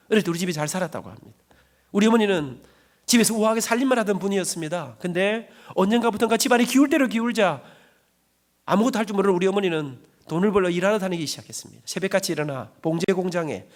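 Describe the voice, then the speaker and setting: Fast-talking, high-voiced middle-aged man preaching. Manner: dramatic storytelling, emotional. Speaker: church elder giving testimony. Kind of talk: sermon testimony. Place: church.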